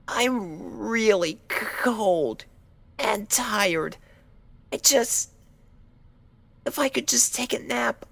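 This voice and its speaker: Lady doing a shy hurt cartoon pony girl for a story reading, pleading and hesitant, slow n creaky, really close dry sound. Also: a little high, a bit bright, no room sound, exaggerated voice. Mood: pleading, weary. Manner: hesitant, halting, meek. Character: timid, injured young female pegasus pony, anxious and pleading. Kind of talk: dramatized fan fiction reading.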